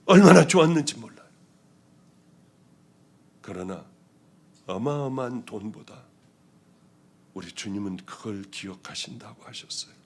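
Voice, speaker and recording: A male pastor giving a testimony sermon, telling his story with strong feeling and moving between hushed and loud passages. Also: medium pitch, big pitch swings, unhurried, long pauses, a little hiss or hum.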